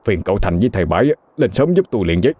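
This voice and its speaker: A man's voice: fairly low pitch, sing-song, very fast, mellow, no echo. A man voicing an anxious older village man who talks urgently. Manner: urgent, stammering.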